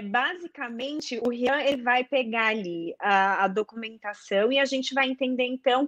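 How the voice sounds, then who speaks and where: Speaking as a guest, she breaks down the investment advisor certification process stage by stage, frequently saying "tá?" and raising questions for herself to answer. The recording is dry, and her voice is on the high side with a fairly bright tone.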